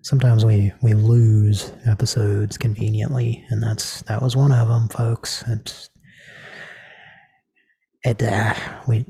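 Rambling deadpan male show host. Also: fairly low pitch, takes it slowly, vocal fry, slightly rough. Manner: rambling, deadpan, crude jokes. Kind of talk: casual comedy radio show.

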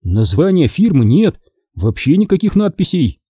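A man's voice: fairly high pitch, wildly swooping pitch, normal speed, warm tone, breathy edge, no room sound, studio quality, pitched above the performer's own voice, exaggerated voice. A man voicing a level-headed, cautious boy in a storybook reading.

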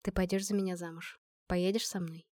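A woman voicing a shy, earnest young man in a storybook reading, speaking low and hesitantly. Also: little pitch movement, brisk, darkish tone, no echo, clean studio sound, lightly acted. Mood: tender.

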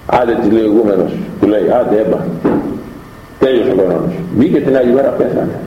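A man delivers a sermon on scripture through storytelling, animated and often leaping into high-pitched voices to act out what people said. The recording is echoey and dull, with faint noise in the room.

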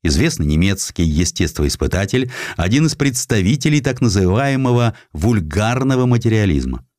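A man reading a historical essay as an audiobook narrator, in an expressive, measured literary manner with distinct pauses. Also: lowish voice, no echo, studio quality.

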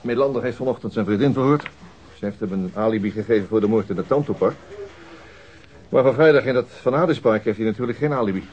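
An actor playing a calm, principled senior police detective in a radio drama, speaking in a measured, restrained and formal way. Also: male voice, lowish voice, lightly acted. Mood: businesslike, thoughtful. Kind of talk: naturalistic radio drama dialogue. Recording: dull, noisy old radio recording.

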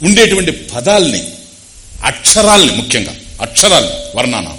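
A man with a Telugu accent giving a discourse on scripture, explaining Sanskrit terms slowly and repeating phrases. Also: on the high side, sharp tone, a little hiss or hum. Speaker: spiritual teacher.

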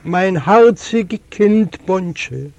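A man's voice: high-pitched, expressive, dark tone, full character voice. A man reading a tender old heavenly judge. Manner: slow, tender, solemn reading. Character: gentle old male heavenly court judge. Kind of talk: audiobook storytelling. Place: library recording room.

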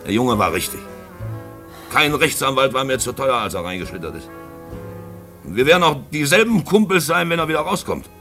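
An actor in a German radio play playing a shady, boastful, sentimental black-market profiteer, expressive and swinging between musing and outbursts. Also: male voice, mid-range voice, fairly quick, long pauses, faint music behind. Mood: maudlin, boastful. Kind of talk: German radio play acting with first-person narration.

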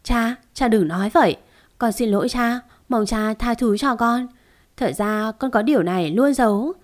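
A woman's voice: fairly high pitch, moderate pace, lightly acted. Storybook role: remorseful young son, pleading; woman narrator reads it. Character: young man, wounded, repentant son.

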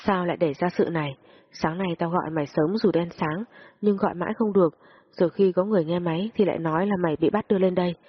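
A woman voicing a worried female friend who speaks in a hurried, urgent way. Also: fairly low pitch, breathy edge, dull audio. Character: worried female friend, older sister figure.

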